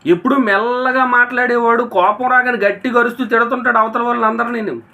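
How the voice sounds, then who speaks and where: A man's voice: very high voice, steady tone, fast, sharp tone, highs cut off. A man preaching a sermon, often asking his listeners rhetorical questions and speaking to them directly. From India.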